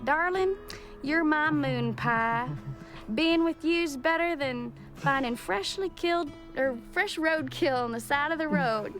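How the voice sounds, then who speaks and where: A woman uses a put-on character voice, high-pitched and drawling at a fairly slow pace, with clear music in the background. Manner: exaggerated, twangy drawl.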